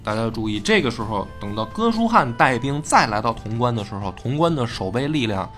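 A man telling a history story in a colloquial, animated way, acting out the characters as he goes. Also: medium pitch, a little fast. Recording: faint background music.

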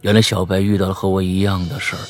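A man narrating a spooky story, lively, breaking off for offhand asides. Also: low voice, quick pace, faint music behind.

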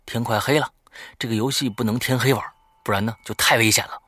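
A man voicing a seventh-grade schoolboy who gives hushed, eerie warnings during a ghost-summoning game. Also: medium pitch, fairly even intonation, fast talker, dry recording. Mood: urgent.

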